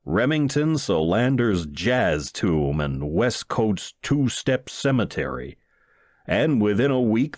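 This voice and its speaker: A man's voice: low voice, darkish tone, no echo, studio quality. A man reading a humorous first-person short story aloud in the manner of a wry storyteller. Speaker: audiobook reader.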